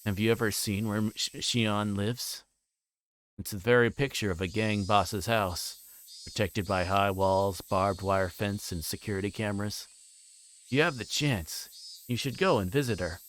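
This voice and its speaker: A man's voice: lowish voice, unhurried, fairly bright tone, a little hiss or hum. A man voicing a sly, insinuating detective, casual and needling, in a visual novel read-through.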